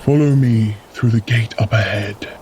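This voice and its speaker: An actor playing a solemn, guarded frost giant guide who speaks cryptically and with measured gravity in a fantasy audio drama. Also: male voice, lowish voice, darkish tone, a little hiss or hum, close to an everyday voice.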